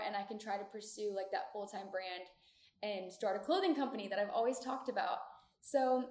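A woman's voice: fairly high pitch, darkish tone. A woman of twenty-four with an American accent hosts a podcast alone, chatting candidly and casually in an echoey room. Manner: candid, chatty, informal, frequent "like". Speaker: podcast host. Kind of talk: casual solo podcast chat. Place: echoey community room of an apartment building.

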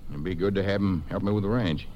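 An actor playing a folksy, defensive Texas rancher in a 1950s western radio drama. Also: male voice, sits low, quick pace, darkish tone, dull audio, natural voice. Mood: guarded, folksy. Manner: folksy, hesitant explaining that turns indignant. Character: touchy, defensive Texas rancher, adult man. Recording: noisy old-time radio recording.

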